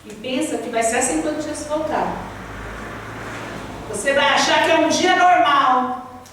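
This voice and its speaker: A woman's voice: sits high, a little slow. A woman pastor preaching a sermon, asking the congregation direct questions. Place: church hall. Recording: echoey church hall from far off, faint noise.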